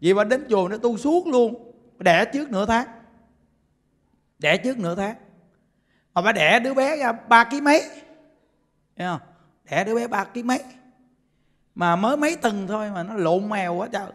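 A man gives a Buddhist sermon in a very high voice. He tells stories in an animated way and keeps breaking into laughter. Long reverb from a large hall trails after his words. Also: a little fast, long pauses. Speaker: Buddhist preacher.

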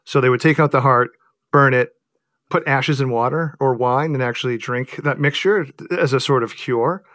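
A man's voice: medium pitch, normal speed, fairly bright tone, no echo, clean studio sound. Thoughtful man answering interview questions. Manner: thoughtful, hesitant, with many fillers and restarts. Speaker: author guest.

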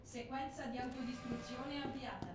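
A woman voicing a calm female facility computer that gives automated announcements over a loudspeaker in a game. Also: high-pitched, normal speed, heavy background noise. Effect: public address loudspeaker announcement. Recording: echoey loudspeaker from far off, loud game music.

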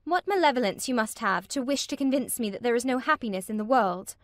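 A woman's voice: a little high, lively intonation, fast talker, no echo, clean studio sound, lightly acted. A woman playing a naive, indignant, lovestruck young lady in a dramatized audiobook, earnest and protesting. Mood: hurt, indignant.

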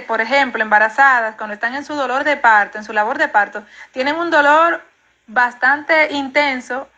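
A woman therapist answers interview questions about grief, explaining calmly and reassuringly. Her voice is high and bright, and she sets out her points in a steady, explanatory way.

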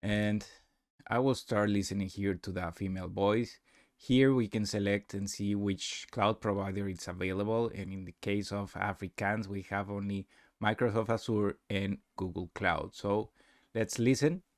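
Low-voiced man explaining software. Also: fairly even intonation, no room sound, clean studio sound. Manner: halting, explanatory. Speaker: software demonstrator. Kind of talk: unscripted screen-recording tutorial narration.

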